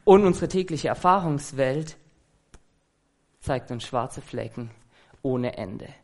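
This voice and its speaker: A man's voice: medium pitch, lively intonation, slow, darkish tone. A man preaching an earnest, conversational sermon that he fills with rhetorical questions.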